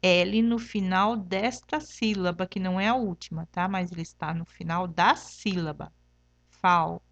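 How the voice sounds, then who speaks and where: A woman's voice: on the low side, a little slow, a bit bright, dry recording, dull audio. A woman teacher with a Brazilian Portuguese accent, patiently explaining a lesson and checking in with "tá?" after each point, spelling examples out syllable by syllable. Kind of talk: remote classroom lesson.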